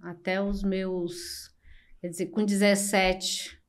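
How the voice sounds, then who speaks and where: An older woman from Brazil, a podcast guest telling her life story slowly and reflectively, with many pauses. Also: mid-range voice, level tone. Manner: slow, reflective, with frequent pauses and fillers. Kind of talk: personal storytelling in an interview.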